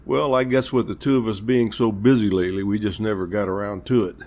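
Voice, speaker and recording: A man playing a polite, reassuring police captain, speaking in a measured, earnest way in an amateur audio drama. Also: lowish voice, fairly even intonation, a little mellow, lightly acted. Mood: friendly. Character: courteous, reassuring male small-town police captain.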